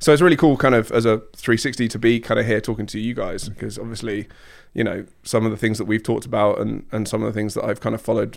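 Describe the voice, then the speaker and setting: A very fast voice with an American accent, vocal fry, and fairly even intonation, on a very clean recording with a silent background. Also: man, medium pitch for a man. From England, Surrey. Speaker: fitness coach turned tech worker. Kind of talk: casual chat. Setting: studio.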